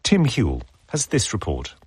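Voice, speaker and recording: A man presenting live radio news, reading headlines and introducing reports in a measured, formal way. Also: lowish voice, huge pitch swings, noisy background. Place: broadcast studio. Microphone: studio microphone.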